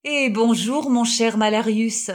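A woman reading the lines of a warm, jovial middle-aged male doctor in an audiobook, cordial and effusive. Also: mid-range voice, a little slow, natural voice. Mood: hearty.

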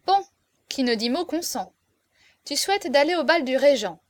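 A woman's voice: high-pitched, lively intonation, moderate pace, no room sound, voice pushed up. A woman reading aloud, voicing a playful, headstrong young gypsy woman who teases and insists. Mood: teasing. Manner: teasing, insistent, theatrical.

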